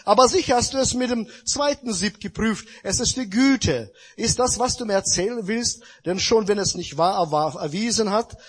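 A preacher putting on a calm old sage, slow and low. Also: male voice, husky, long reverb tail. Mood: patient. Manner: slow, measured and lowered. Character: calm wise old male philosopher, patient teacher.

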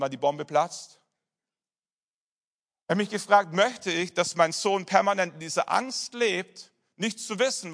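A middle-aged male pastor preaching a sermon, telling personal stories and dropping to soft emphasis. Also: sits high.

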